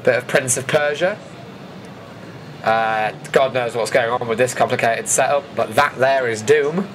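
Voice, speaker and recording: A man hosts with a casual voice-over at a middling pitch. His delivery is informal and dryly jokey, with an enthusiast's interest. There is faint noise behind him. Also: unhurried, fairly bright tone. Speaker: video host narrating event footage.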